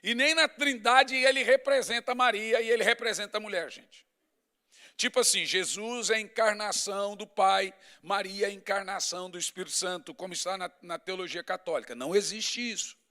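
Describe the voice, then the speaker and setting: Pastor guy preaching, high voice, chatty and emphatic, piles up lists. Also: brisk, bright, forceful tone. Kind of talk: sermon.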